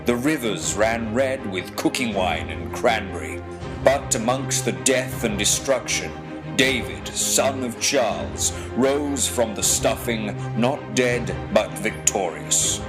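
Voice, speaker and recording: A man reading scripted fiction as an audiobook narrator, with a measured, dramatic storytelling delivery. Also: mid-range voice, lively intonation, music in the background. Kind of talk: scripted literary narration, voice reel.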